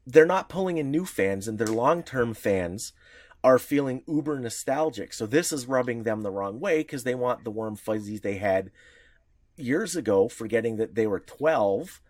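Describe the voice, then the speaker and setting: A man co-hosting a podcast in casual chat, opinionated and animated, swearing freely. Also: medium pitch, normal speed, dry recording. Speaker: podcast co-host.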